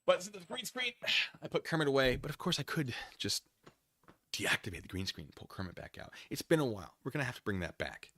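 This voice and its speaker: A man's voice: medium pitch, sing-song, brisk, a bit bright. A man hosting a livestream, giving casual, rambling commentary with playful, self-deprecating asides and chat with his viewers.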